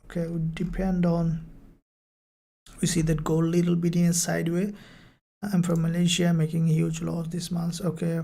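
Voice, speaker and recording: Female live-stream host and mentor. Low, very even delivery, halting phrasing, informal question-and-answer style. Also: creaky.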